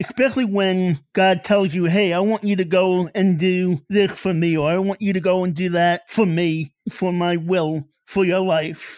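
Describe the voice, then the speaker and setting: A man speaks at a fairly slow pace with hardly any pauses. His voice sits high in pitch, and his intonation stays fairly even. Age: 40s. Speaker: motivational speaker with Apert syndrome. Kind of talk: personal testimony in interview.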